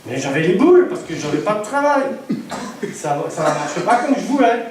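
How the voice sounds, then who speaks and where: Preaching to his congregation, a high-voiced male evangelist shares his personal testimony with laughter and acted-out voices, speaking in a sing-song way at a moderate pace. He sounds distant from the microphone in a very echoey church hall, with faint noise behind him.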